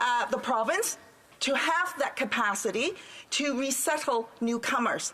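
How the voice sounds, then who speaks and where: A woman with a Chinese accent speaks at a fairly slow pace in a high pitch with lively intonation, over noticeable background noise. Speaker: member of parliament. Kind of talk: parliamentary debate question. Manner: hesitant, many fillers.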